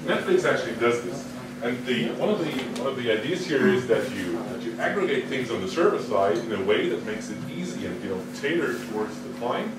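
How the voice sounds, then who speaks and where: Guy giving a conference talk, lots of questions and restarts, far off in a booming hall, noisy. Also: brisk. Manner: questioning, lively, self-correcting restarts. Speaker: conference speaker. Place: large conference room. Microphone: no microphone, distant recording.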